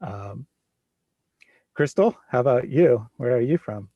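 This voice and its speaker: A man of forty hosting a casual livestream, chatting in a relaxed way and laughing often. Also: mid-range voice, a little slow, husky, no room sound, highs cut off. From Midwest United States. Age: 40s. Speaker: livestream host.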